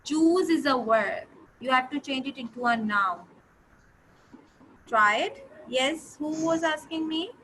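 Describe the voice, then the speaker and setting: A woman's voice: high voice, slow pace, sharp tone, slight background noise, rough recording. A woman with a South Asian accent teaching an interactive grammar lesson, instructive, repeating phrases and checking that pupils understand. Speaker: English teacher.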